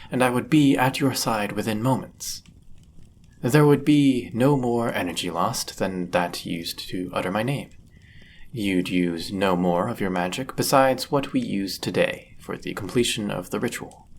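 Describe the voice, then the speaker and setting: A man plays a powerful male demon bound to a sorcerer, possessive and lovestruck. His low voice is gravelly and creaking, with formal, intense phrasing in the manner of fantasy audio drama. There is faint noise in the recording. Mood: commanding, urging. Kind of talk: dramatic audio roleplay addressed to the listener.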